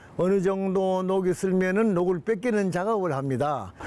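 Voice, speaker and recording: A man speaks with a high pitch at a moderate pace. Noticeable background noise can be heard. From Busan, Yeongdo (Gyeongsang). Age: 80s+. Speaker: longtime local resident. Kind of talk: interview.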